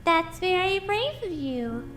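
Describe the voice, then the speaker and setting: Casting: woman as kindly young cartoon hedgehog heroine, very high voice, slow earnest delivery, audio drama. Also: sing-song, heavily acted. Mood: sympathetic, reassuring.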